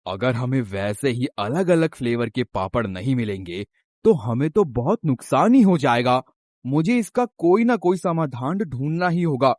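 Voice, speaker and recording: A man's voice: mid-range voice, big pitch swings, normal speed, darkish tone, no room sound, studio quality, lightly acted. A man voicing an anxious village shopkeeper in a cartoon story, who talks in a complaining, fretful way.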